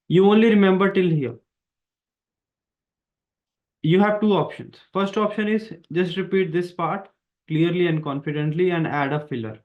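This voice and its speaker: A man with an Indian accent, an exam prep teacher explaining test tasks in an online lesson, speaking emphatically and repeating his key points. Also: sits high. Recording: dull lo-fi sound.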